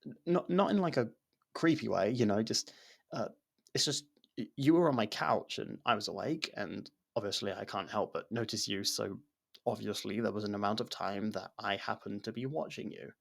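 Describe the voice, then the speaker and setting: A man's voice: lowish voice, moderate pace, creaky. A man acting a nervous, awkward, secretly obsessive young lover in an intimate ASMR roleplay, stammering and backtracking as he talks. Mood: flustered, defensive. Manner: stammering, hesitant, self-conscious, backtracking. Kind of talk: ASMR roleplay, intimate one-sided dialogue.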